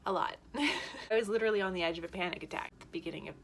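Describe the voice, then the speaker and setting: A woman's voice: lowish voice, very fast, a little hiss or hum. A woman telling a personal story to camera in a chatty, candid way, laughing often, shaken by vertigo. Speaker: vlogger.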